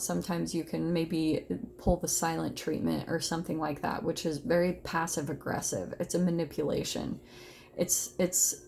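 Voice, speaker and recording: A woman with a fairly low, darkish voice and some vocal fry hosts an online tarot reading, speaking casually and without a script. She addresses her viewers directly with emphatic, conversational phrasing, and there's a little hiss or hum in the audio.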